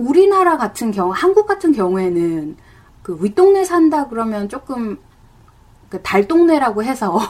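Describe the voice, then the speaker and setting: With very wide pitch swings, a woman's voice sits fairly high. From South Korea. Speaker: radio host. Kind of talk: radio English lesson with pop songs. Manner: casual, chatty.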